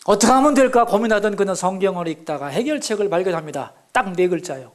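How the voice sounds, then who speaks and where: A middle-aged male pastor preaching a Sunday sermon, asking the congregation questions and swinging between loud exclamations and hushed near-whispers. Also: high voice, animated, quick pace. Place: church sanctuary.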